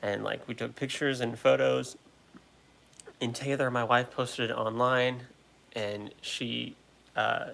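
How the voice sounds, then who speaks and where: An American man in his late twenties hosting a casual livestream chat, talking in a halting, repetitive way that often interrupts itself. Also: medium pitch, level tone, vocal fry, fairly bright tone, rough recording. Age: late 20s. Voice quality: trouble pronouncing R sounds. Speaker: livestream host. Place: at home.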